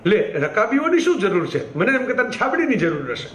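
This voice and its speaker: A man voicing a gentle old priest in a spoken storytelling, talking calmly and kindly. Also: high-pitched, echoey room, distant mic. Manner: calm, kindly, unhurried.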